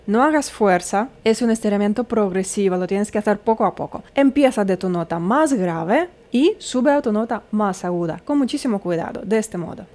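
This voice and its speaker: A woman singing teacher giving a vocal lesson, calmly coaching and demonstrating exercises. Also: medium pitch, normal speed, few pauses. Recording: piano playing behind the voice. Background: loud piano.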